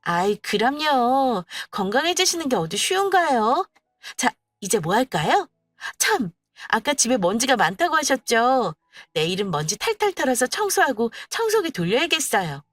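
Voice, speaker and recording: A woman's voice: on the high side, very animated, normal speed, a bit bright, no room sound, clean studio sound, soft background music, pitched above the performer's own voice. A woman voicing a young daughter-in-law whose overly sweet, mock-polite talk carries sarcasm. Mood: teasing.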